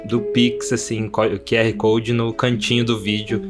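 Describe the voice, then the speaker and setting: A man's voice: medium pitch, flat delivery, unhurried. A man with a Brazilian accent chatting casually as a podcast co-host, informal and loosely improvised. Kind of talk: casual chat. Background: instrumental guitar music.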